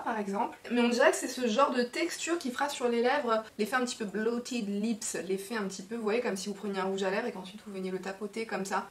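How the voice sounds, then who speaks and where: A woman's voice: a little high, a bit bright, far from the mic. Chatty woman in a roomy echo. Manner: chatty, self-mocking, laughs often. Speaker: beauty vlogger. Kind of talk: casual makeup haul chat.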